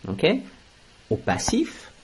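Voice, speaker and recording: A man teaching a French grammar lesson, explaining slowly and stressing key words, switching into English for translations. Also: noisy background.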